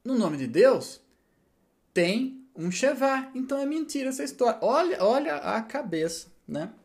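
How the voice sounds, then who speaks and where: A man's voice: very high voice, very animated, unhurried, vocal fry. A man teaching a language lesson, checking understanding with frequent tag questions and answering his own rhetorical questions. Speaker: Hebrew teacher. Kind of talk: explanatory lesson.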